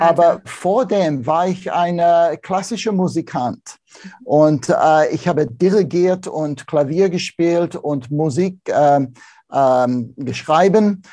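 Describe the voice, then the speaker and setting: A man with an English-speaking accent talks at a very slow pace. His pitch is high with ordinary variation, and his tone is dark and mellow. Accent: English-speaking foreign accent in German. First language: English (speaking German). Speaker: psychiatrist. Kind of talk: interview. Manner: halting, many hesitations.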